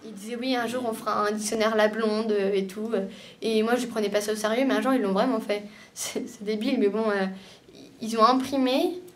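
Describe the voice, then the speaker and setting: A teenage girl speaks in a fairly high voice, casual and wry as she gives her testimony. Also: steady tone, a little fast. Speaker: interviewee. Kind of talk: personal testimony.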